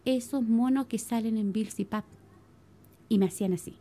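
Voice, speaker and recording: A middle-aged woman with a Chilean accent giving a spoken religious testimony to a congregation, telling her story in an animated way and calling her listeners brothers. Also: fairly high pitch, normal speed, a little hiss or hum. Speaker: church member giving testimony.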